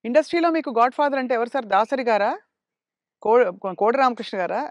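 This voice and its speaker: A man's voice: extremely high pitch, animated, fairly quick, dry recording, muffled recording. A man interviewing a guest, asking questions and prompting with short murmured agreements.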